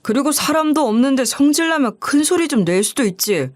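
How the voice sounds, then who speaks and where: A woman's voice: sits high, animated, a little fast, dry recording, studio quality, voice pushed up. A woman voicing a rude, cold young man who snaps curtly at his fiancée. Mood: scornful. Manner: curt, snapping, dismissive.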